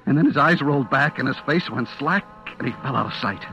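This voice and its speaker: An actor playing a desperate supermarket clerk trapped in the dark, confessing in halting, stammering old-time radio suspense style on a vintage recording. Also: male voice, mid-range voice, animated, lo-fi sound, over loud music, close to an everyday voice. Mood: tense dread. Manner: breathless, halting, stammering narration with repetitions.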